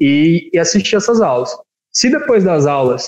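Ordinary pitch movement in a man's high voice. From interior of São Paulo state, Brazil. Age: 20s. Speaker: medical student. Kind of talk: interview. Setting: video livestream.

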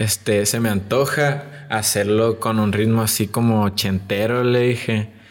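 A man with a Mexican accent speaks with fairly even intonation amid noticeable background noise. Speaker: urban music artist. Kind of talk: casual chat.

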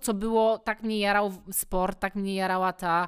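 On a very clean recording with a silent background, a woman with a normal speaking voice talks fairly slowly at a medium pitch. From Silesia, Katowice. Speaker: personal trainer. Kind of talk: interview.

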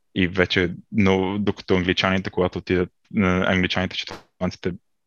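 A man speaks with a very deep, low pitch and monotone, flat intonation. His pace is fairly quick, broken by long, frequent pauses. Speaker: software engineer. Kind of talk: interview. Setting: video call. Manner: halting.

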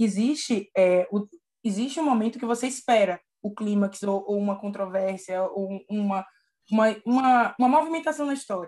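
Hers is an unremarkable speaking voice. The woman keeps a moderate pace, and her pitch moves in an ordinary way. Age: 30s. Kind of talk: casual chat.

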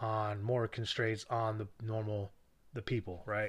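A man speaks in an American accent. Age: 40s. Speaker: podcast host. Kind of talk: casual political monologue. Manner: halting, many restarts.

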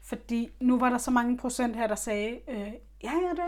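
On a very clean recording with a silent background, a plain, everyday voice talks at a moderate pace. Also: woman. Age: 20s. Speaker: podcast host. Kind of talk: casual chat.

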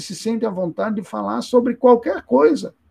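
Here a man talks at an extremely high pitch with very wide pitch swings. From Brazil, Paraíba (Campina Grande). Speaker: pastor. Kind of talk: livestreamed Bible study talk. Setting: online livestream. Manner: warm, conversational.

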